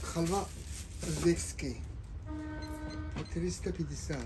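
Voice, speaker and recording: A woman's voice: low-pitched, fairly even intonation. Central Asian-accented woman vendor, noisy shop. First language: not Russian. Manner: halting, simple non-native phrasing. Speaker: market vendor. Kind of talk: casual sales talk with customers. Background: clear background noise.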